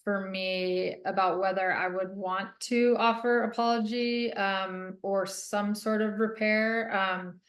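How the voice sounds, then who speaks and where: A woman, a guest author, answering an interview question in an earnest, halting way with frequent ums. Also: medium pitch, little pitch movement, roomy sound.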